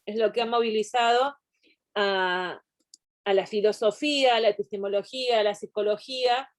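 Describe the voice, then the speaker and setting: A woman's voice: mid-range voice, fairly even intonation, normal speed. A woman teaching a university class over a video call, explaining at length with frequent digressions and restarts. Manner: digressive, explanatory, thinks aloud. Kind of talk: online class lecture.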